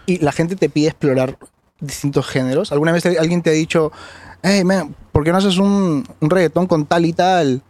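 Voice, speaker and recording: Interviewer, man, slightly high pitch, encouraging, keeps the guest talking. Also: moderate pace, a little mellow, dry recording. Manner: encouraging, frequent backchannel "ujú". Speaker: podcast interviewer. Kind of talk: casual interview.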